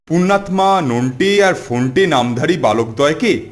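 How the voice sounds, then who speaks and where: A man's voice: a little high, animated, moderate pace, lightly acted. A man voicing a solemn, grandiose holy man in a children's cartoon, speaking in a lofty, archaic manner.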